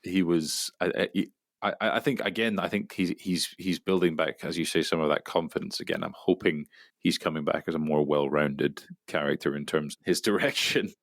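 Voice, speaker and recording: A man talking as an interviewed voice actor, casual and reflective, often pausing and restarting his thoughts. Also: deep voice, creaky, no echo, clean studio sound.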